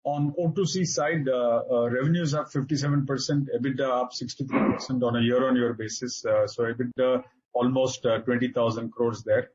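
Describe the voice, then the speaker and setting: Husky Indian man presenting company results, muffled audio. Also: medium pitch, fairly even intonation, darkish tone. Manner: halting, hesitant delivery with frequent filler sounds. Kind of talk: earnings call presentation. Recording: dull lo-fi conference call audio.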